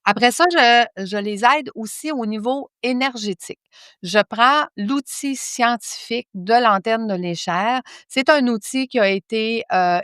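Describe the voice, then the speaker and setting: A woman's voice: on the high side, fairly bright tone, clear, resonant tone, no echo. Woman, Québécois accent, fifties, friendly explainer, dry close sound. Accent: Québécois French. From Quebec. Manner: friendly, explanatory, frequent fillers. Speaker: guest, financial coach. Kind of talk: casual interview explanation.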